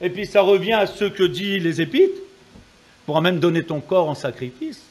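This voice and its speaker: A male preacher delivering a fervent sermon in a high voice. His pitch leaps and dives as he presses the congregation for amens. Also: expressive, normal speed, a little mellow. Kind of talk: evangelical sermon.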